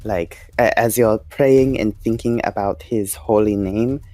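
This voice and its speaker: A man's voice: lowish voice, measured pace, mellow, faint music behind, close to an everyday voice, poor audio. A man playing a devout female zealot with an earnest, instructive manner in an improvised tabletop game. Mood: fervent, instructive. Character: devout, orderly female zealot with a violent streak.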